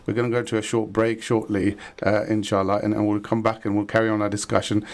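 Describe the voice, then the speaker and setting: A man's voice: lowish voice, flat delivery, fast talker. A man hosting a live radio discussion in informal, loosely rambling phrases. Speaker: radio host.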